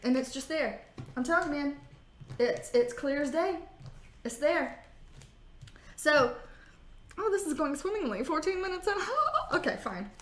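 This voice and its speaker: A woman's voice: sits high, big pitch swings, a little slow, pauses often, fairly bright tone, a little hiss or hum. A woman giving a casual tarot reading on video, sassy and joking, often laughing. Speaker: tarot reader. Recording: roomy echo.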